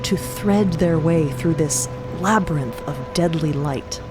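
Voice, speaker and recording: A woman's voice: low-pitched, measured pace, music in the background, rough recording. A woman narrating an adventure story for a fiction podcast in dramatic present tense.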